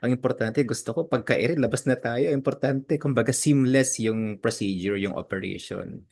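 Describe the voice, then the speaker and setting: A man's voice: medium pitch, moderate pace, creaky, a little mellow. A man, a guest in an interview. He talks politely and deferentially, switching between two languages. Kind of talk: personal interview.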